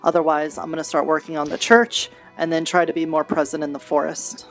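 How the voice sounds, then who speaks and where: A low voice over music: a woman as a clawed creature of the woods in fantasy roleplay. She is earnest and candid, thinking aloud in a plain, matter-of-fact way. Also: flat delivery, brisk. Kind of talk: improvised VRChat fantasy roleplay.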